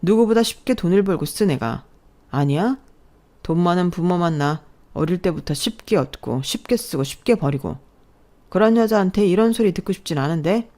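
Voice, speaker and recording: A woman's voice: fairly low pitch, animated, normal speed, dark tone, close to an everyday voice. A woman voicing a scheming, defensive young man, a sneering ex-fiancé in a storybook drama. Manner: sneering, contemptuous.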